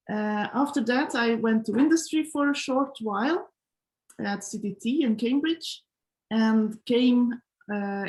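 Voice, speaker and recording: A woman's voice: on the high side, a little mellow, poor audio. A woman from Belgium, a physics professor, introducing herself politely on an online panel. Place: video call.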